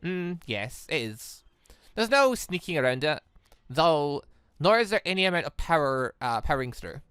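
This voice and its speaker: A sly villainess from a visual novel read by a man, teasing and calmly menacing. The delivery is measured, in a bright, dry-sounding voice. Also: fairly high pitch, clean tone, no room sound. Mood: calm menace. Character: sly, menacing woman villain taunting by phone.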